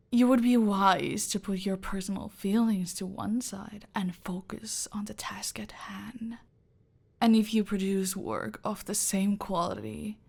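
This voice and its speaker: A woman playing a whispering, gravelly cartel queen. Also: mid-range voice, darkish tone. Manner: slow, deliberate, often whispered commands. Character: domineering female cartel boss, cold and controlling. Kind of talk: ASMR roleplay.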